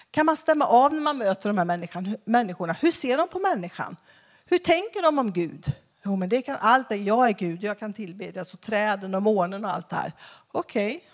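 Female Christian speaker, lively and expressive, pitched a bit high, plays out conversations in her talk. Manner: acts out dialogues with shifting voices.

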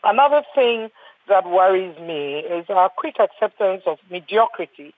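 A woman's voice: mid-range voice, lively intonation, moderate pace, no echo. Earnest older Ghanaian woman, phone-thin. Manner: earnest, emphatic, repeats words when restarting. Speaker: doctor. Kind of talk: panel discussion. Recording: thin phone-like line, husky and dry.

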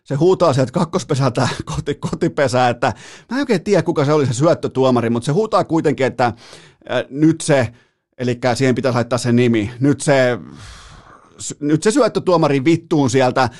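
A man hosting a sports podcast, rambling and animated as he tells a match story, with lots of fillers and laughs. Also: medium pitch. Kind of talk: casual sports chat.

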